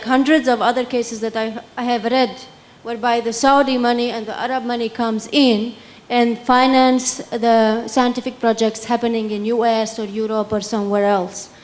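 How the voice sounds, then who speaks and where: A woman's voice: on the high side, darkish tone. A woman moderating a public forum, talking casually with many fillers.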